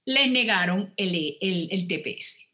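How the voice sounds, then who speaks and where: A woman's voice: on the low side, lively intonation, measured pace, sharp tone. A woman, an immigration lawyer explaining the rules on a radio advice program, stopping often to check with "ok?". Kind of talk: radio call-in advice talk.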